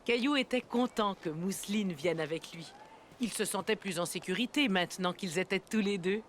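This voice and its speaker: A woman narrating a children's cartoon like a gentle storybook reader. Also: mid-range voice, moderate pace, slight background noise, lightly acted. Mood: warm storytelling.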